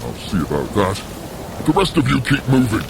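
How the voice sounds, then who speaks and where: An actor playing a gruff, suspicious frost giant gate guard in an audio drama, barking commands. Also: male voice, mid-range voice, very animated, moderate pace, background noise. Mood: bossy, suspicious.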